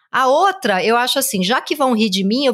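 A woman with a São Paulo accent, fairly high pitch and vocal fry at a moderate pace, in a very clean recording with a silent background. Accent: Brazilian Portuguese, São Paulo. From Brazil, São Paulo (Zona Leste). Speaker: writer and columnist. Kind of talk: casual interview chat.

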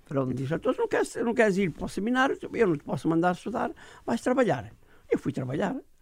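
In a very clean recording with a silent background, a man talks at a very fast pace in a high pitch with very wide pitch swings. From Portugal, Aveiro; emigrated to southern Brazil at 15. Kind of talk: radio interview.

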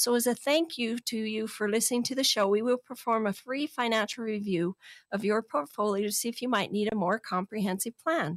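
A woman talks in a normal speaking voice at a fairly high pitch, a fairly quick pace and ordinary pitch variation, with hardly any pauses. The sound is dry and close with no echo, on a very clean recording with a silent background. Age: 50s. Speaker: financial advisor. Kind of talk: radio talk show. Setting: radio studio.

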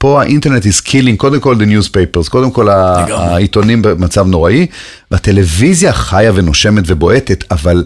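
Here is a normal speaking voice with lively intonation, very even loudness, and a moderate pace. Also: man, fairly low pitch for a man. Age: 50s. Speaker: TV weather presenter. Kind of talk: interview.

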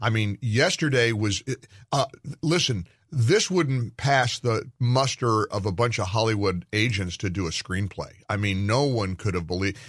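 A man speaks at a moderate pace, somewhat breathy, with lively intonation. The recording is very clean with a silent background. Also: medium pitch for a man. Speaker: political commentator. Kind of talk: talk radio conversation.

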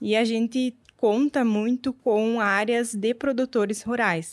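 A woman speaks very slowly in a fairly high voice, with a dry, close sound, no echo, a very clean recording and a silent background. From southern Brazil, rural Rio Grande do Sul. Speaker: agronomist, seed researcher. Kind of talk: interview conversation.

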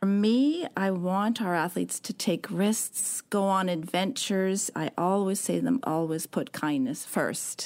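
A woman speaks at a fairly slow pace in a Canadian accent, using an unremarkable speaking voice at medium pitch with ordinary pitch variation. She hardly pauses, and the recording is very clean with a silent background. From Canada, Winnipeg. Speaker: retired track and field coach. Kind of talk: interview.

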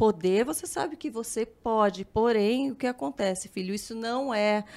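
This very clean recording has a silent background. A woman speaks in a fairly high voice with lively intonation. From Brazil, interior of São Paulo state. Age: 40s. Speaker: podcast host and former model. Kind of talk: casual chat.

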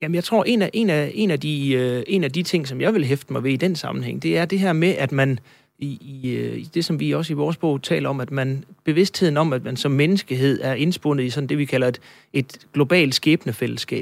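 At a moderate pace, a man talks with ordinary pitch variation over a silent background in a very clean recording. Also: fairly high pitch for a man. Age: 40s. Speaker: university lecturer, historian. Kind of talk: radio interview. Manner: hesitant, many filler sounds.

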